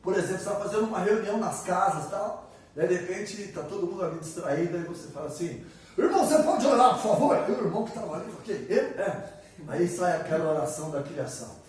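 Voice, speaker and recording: Brazilian male preacher, fairly high voice, chatty sermon, picked up from far off in a very echoey room. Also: quick pace, darkish tone. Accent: Brazilian Portuguese. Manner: conversational, acts out prayers and asks the audience questions. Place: church hall.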